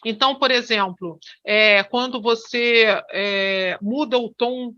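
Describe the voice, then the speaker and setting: Bright-voiced woman teaching hypnosis. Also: fairly high pitch, slow pace, highs cut off. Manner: explaining with many fillers and restarts. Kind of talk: explanatory online lesson.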